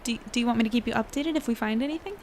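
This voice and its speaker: A woman playing an earnest, hesitant young woman who is a gentle, loyal friend in an audio drama. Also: fairly high pitch, racing, a little hiss or hum, lightly acted. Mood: anxious, downcast.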